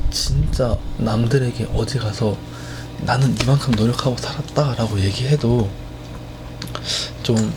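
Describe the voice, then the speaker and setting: A man at a very slow pace with long, frequent pauses, relaxed tone, very even loudness and noticeable background noise. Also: medium pitch for a man. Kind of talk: ASMR casual chat talking about daily life. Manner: soft, relaxed, chatty.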